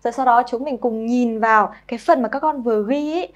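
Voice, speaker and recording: A young woman with a fairly high voice gives a vocabulary lesson to young children. She coaxes her pupils along and says each new word slowly two or three times so they can copy it. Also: dull audio. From Vietnam. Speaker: English teacher.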